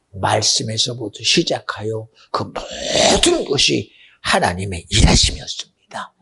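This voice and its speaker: Raspy, gravelly Korean pastor preaching. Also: male voice, medium pitch. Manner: swings between loud exclaiming and hushed, almost whispered asides. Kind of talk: sermon.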